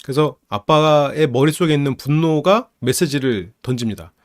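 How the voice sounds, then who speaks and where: A man hosting a psychology channel, casually analyzing a film, lively and laughing often as he acts out characters' lines. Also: on the high side, moderate pace, no echo, studio quality.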